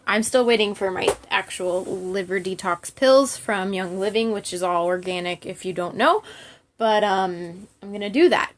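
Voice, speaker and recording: A woman chatting casually to viewers as a livestream host, candid and rambling in a giggly, informal way. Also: mid-range voice.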